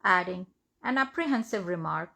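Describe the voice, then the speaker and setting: A woman reading a written first-person testimony aloud in measured phrases. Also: on the low side, expressive, gravelly, bright, forceful tone. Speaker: reader of devotional testimonies.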